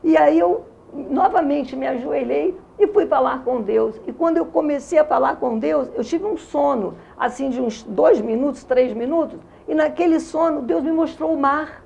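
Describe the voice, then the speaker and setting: This woman in her sixties, a Carioca from Rio de Janeiro, earnestly and emotionally gives her faith testimony during an interview. She talks at normal speed with few pauses, in a high-pitched, slightly mellow voice with vocal fry. The highs in the recording are cut off.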